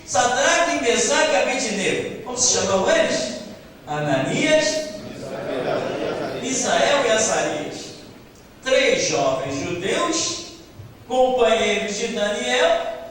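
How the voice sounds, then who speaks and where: A man's voice: high voice, fairly bright tone, slight background noise. A male preacher delivering an impassioned sermon and acting out biblical dialogue. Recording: echoey hall, distant mic.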